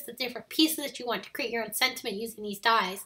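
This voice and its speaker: A woman speaks at a very fast pace. Her voice is raised and projected. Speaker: card-making crafter. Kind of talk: tutorial voiceover.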